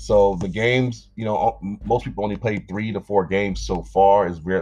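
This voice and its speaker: A man's fairly low-pitched voice with music in the background. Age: 40s. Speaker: sports podcast host. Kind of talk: casual commentary. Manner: animated.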